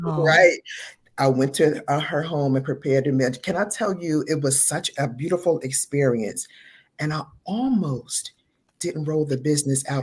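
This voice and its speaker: With an American accent, a woman speaks in an animated tone, her very deep, low pitch somewhat breathy. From Philadelphia, US Northeast. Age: 60s. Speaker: chef. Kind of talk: radio interview.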